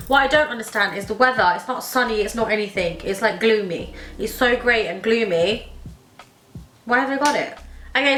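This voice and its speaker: Bright, chatty young woman. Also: fairly high pitch, echoey room. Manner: chatty, enthusiastic, many "like" fillers. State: wheezy from hay fever. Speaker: beauty vlogger. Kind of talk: casual makeup tutorial chat. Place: home makeup room, indoors.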